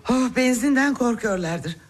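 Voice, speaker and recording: Mother, female, TV drama: emotional, anxious, raspy, fairly high voice. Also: expressive, a little slow. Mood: worried, resigned. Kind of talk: TV drama acting.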